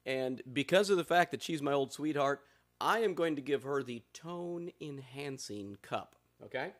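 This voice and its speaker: A man's voice: medium pitch, expressive, normal speed. A man hosting a casual guitar amp demo, talking in a playful, folksy way from the floor of a room full of amps. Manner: folksy, playful, drawling asides. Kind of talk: casual joking gear demo. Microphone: instrument mics on amps, voice faint.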